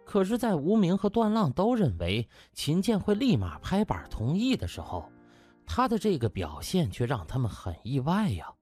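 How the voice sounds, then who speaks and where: A man's voice: on the high side, wildly swooping pitch, normal speed, a little mellow, slightly rough, faint music behind. A man narrating a novel as an audiobook in a dramatic storytelling style.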